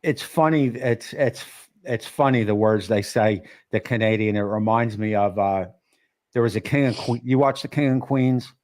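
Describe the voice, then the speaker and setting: Halting New Jersey man hosting a chat. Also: lowish voice, darkish tone. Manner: halting, restarts often, reads viewer comments aloud. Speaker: livestream host. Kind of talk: casual livestream chat.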